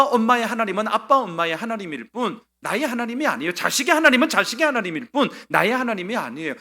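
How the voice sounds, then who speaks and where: A man preaching a sermon as pastor, acting out quoted lines with sudden swings from soft to loud. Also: high voice. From South Korea. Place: church sanctuary.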